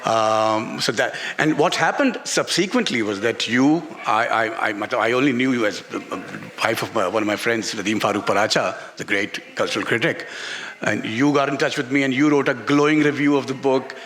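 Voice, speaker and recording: A man's voice: mid-range voice, a little fast, fairly bright tone. A man with a Pakistani accent answering at a live book talk as an author, often stopping and repeating words and phrases for emphasis. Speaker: author and journalist being interviewed. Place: literary festival stage in a garden venue.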